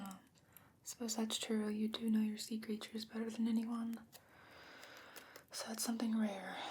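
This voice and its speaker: A woman playing a thoughtful, learned fantasy sorceress in a soft-spoken, breathy ASMR roleplay, measured and gentle with pondering pauses. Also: fairly high pitch. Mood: thoughtful, probing. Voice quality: breathy, whispery, hushed.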